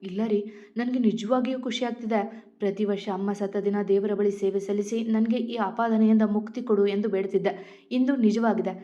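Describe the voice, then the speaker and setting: A woman's voice: mid-range voice, fairly even intonation, normal speed, mellow, dull audio, lightly acted. A woman voicing a young pregnant wife, emotional and tearful, pleading with her voice rising when upset. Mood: insistent.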